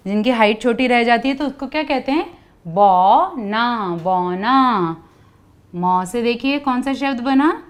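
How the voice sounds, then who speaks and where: With lively intonation and a somewhat high voice, a woman guides children through Hindi letter sounds. She poses question after question and pronounces every sound slowly and at length so they can repeat it.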